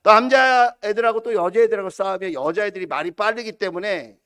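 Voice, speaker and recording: A male pastor preaching a sermon, animated, full of rhetorical questions and acted-out quotes. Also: high-pitched, a little fast, smooth. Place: church sanctuary.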